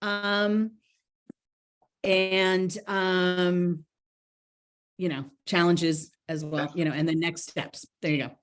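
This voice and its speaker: A woman's voice: lowish voice, flat delivery, slow, pauses often. A woman presenting a grant report to a board in an online meeting, chatty with many ums and restarts. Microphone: video call.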